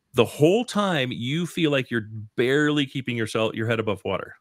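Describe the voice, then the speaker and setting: An ordinary speaking voice from a man, medium in pitch with ordinary pitch variation, in a very clean recording with a silent background. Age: 40s. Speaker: IT leader, podcast co-host. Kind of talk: casual chat.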